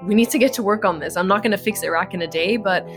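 A woman's voice: medium pitch, fast talker, soft background music. A woman from Egypt, a political science professor, answering interview questions in a thoughtful, earnest way with frequent fillers.

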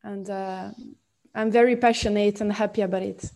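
A Swiss woman in her late twenties with a Swiss French accent, a podcast guest talking haltingly with many fillers and restarts. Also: medium pitch, fairly even intonation, warm tone. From Switzerland. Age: 20s. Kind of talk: podcast interview.

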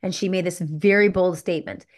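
A woman's voice: lowish voice, fairly quick. A middle-aged woman hosting a solo podcast, telling a personal story candidly and reflectively, often stopping to correct herself. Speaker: podcast host.

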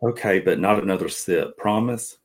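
A man's voice: low-pitched, normal speed, a little hiss or hum, pitched below the performer's own voice. A man voicing an anxious, scolding young girl who frets about getting caught. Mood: coaxing. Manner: fretful, scolding, pleading.

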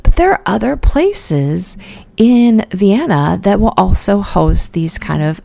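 A woman's voice: mid-range voice, very animated, takes it slowly, vocal fry, mellow, no echo. A woman hosting a casual solo podcast, talking in a chatty way with lots of ums and restarts. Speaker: podcast host.

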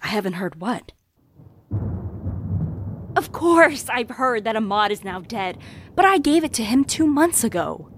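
Marigold, flamboyant, animated jewel merchant. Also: female voice, fairly high pitch, unhurried, pauses often, a little hiss or hum. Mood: puzzled, defensive. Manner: effusive, theatrical, wheedling. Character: flamboyant, proud female jewel merchant and courier. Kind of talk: scripted audio drama acting.

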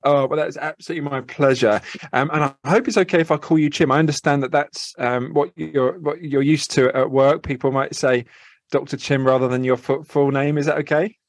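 A man's voice: a little high, steady tone, a little fast, dry recording, clean studio sound. A man hosting a podcast interview, friendly and a little hesitant, with many fillers and restarts. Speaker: podcast host.

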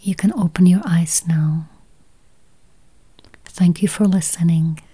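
A woman leads a guided meditation in a soft, whispery voice, gently speaking in short, spaced phrases. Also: on the low side, steady tone, takes it slowly, slightly rough. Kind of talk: guided meditation, counting and affirmations.

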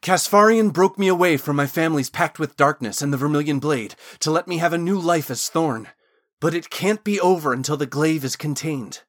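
A man's voice: medium pitch, moderate pace, fairly bright tone, lightly acted. A man playing an earnest, desperate cursed man in a fantasy audiobook, pleading urgently in formal wording.

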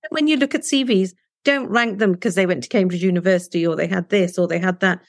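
A woman's voice: lowish voice, fast talker, no room sound, studio quality. Earnest woman posing rhetorical questions. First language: Punjabi. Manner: persuasive, asks rhetorical tag questions. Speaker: interview guest. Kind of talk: earnest conversational interview.

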